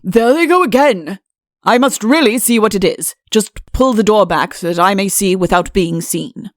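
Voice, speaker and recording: A woman's voice: mid-range voice, normal speed, no room sound, studio quality, natural voice. A woman voicing a pompous, stern, irritable middle-aged king in a comic fairy-tale audiobook, with an imperious, curt manner. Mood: irritated.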